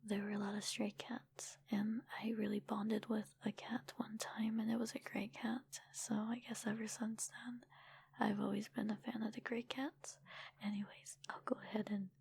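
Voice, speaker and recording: A woman chatting casually in a soft, breathy ASMR whisper, informal and rambling, close to the microphone. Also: medium pitch, little pitch movement, normal speed. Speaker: ASMR creator and streamer answering viewer comments.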